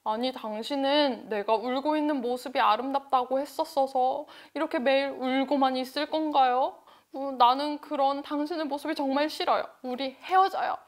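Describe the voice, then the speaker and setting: A woman voicing fickle storybook husbands who propose with flattery and later complain politely. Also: high-pitched, normal speed, few pauses, lightly acted. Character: smitten husbands, fickle grown men.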